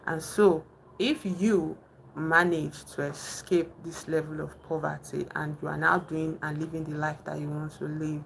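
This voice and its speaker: A young woman with a Nigerian accent talks casually on a home live stream, her voice low and gravelly. She thinks aloud, full of fillers and restarts, with a faint hiss underneath. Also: level tone, a little slow, low-quality recording. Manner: chatty, thinks aloud with many fillers and restarts, reads viewers' comments. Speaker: livestream host.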